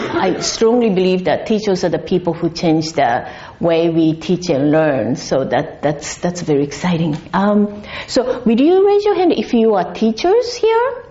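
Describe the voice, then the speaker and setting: Mellow woman lecturing. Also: lowish voice, very animated, measured pace, few pauses, muffled recording. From Japan. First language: Japanese. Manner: chatty, many restarts, polls the audience. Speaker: guest lecturer. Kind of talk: conference talk to an audience. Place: darkened lecture hall.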